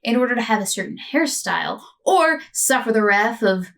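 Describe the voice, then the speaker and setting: A woman's voice: on the high side, expressive, normal speed, vocal fry, a bit bright, recorded from a distance. A woman host narrating a scripted commentary video with a sardonic, mocking edge.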